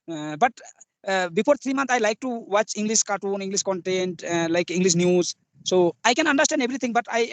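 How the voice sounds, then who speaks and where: A man's voice: sits high, no room sound. A young man from West Bengal with a Bengali accent, a Bengali speaker talking in simple learner English with many fillers, interviewed on a video call. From West Bengal, India. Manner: hesitant, many fillers, simple broken grammar. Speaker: soldier, English learner guest.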